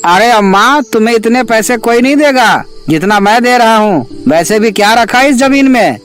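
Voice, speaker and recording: High-pitched greedy village bully. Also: male voice, lively intonation, normal speed, a bit bright, soft background music. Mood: pushy. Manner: pushy, scheming. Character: greedy, bullying village man after land.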